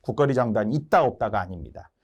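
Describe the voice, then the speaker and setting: A male lecturer talks through an exam question with a lively, swooping pitch. He keeps things animated and acts out quoted lines in little character voices. It is a recorded exam prep class. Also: fast, lo-fi sound.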